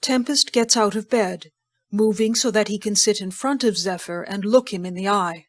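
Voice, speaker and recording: A woman's voice: mid-range voice, normal speed. Woman narrating an audio drama.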